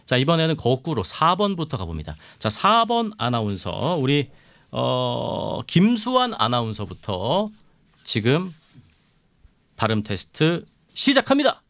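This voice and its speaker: A man hosting a live show, reading viewer comments and running a pronunciation game in a chatty, animated way. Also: mid-range voice, a little slow, no echo. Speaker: show host. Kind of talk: lively live-stream hosting.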